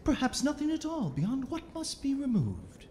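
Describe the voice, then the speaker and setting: A sinister, wildly swooping mage inquisitor. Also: female voice, high-pitched, wildly swooping pitch, moderate pace, mellow, slight background noise. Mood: cruel amusement. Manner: theatrical, drawling, condescending. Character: sinister mocking mage inquisitor, cruelly amused, smooth-talking. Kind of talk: audio drama acting. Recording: long echoing reverb, music underneath.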